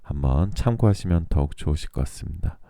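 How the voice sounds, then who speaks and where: A man reading tarot for listeners in a soothing, polite, measured radio-like style, his voice still recovering from a throat cold. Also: extremely low pitch, expressive, gravelly, mellow, clean tone, dry recording. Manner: soothing, polite, measured delivery meant to lull listeners to sleep. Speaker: tarot reader and channel host.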